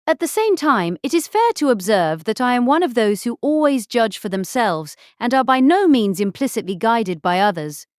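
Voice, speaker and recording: Self-satisfied young gentlewoman, affected, chatty, highly animated intonation, dry sound, audiobook period drama. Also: normal speed, few pauses, no room sound. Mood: self-important. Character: vain, self-satisfied young married gentlewoman, gushingly pretentious. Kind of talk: full-cast audiobook period drama acting.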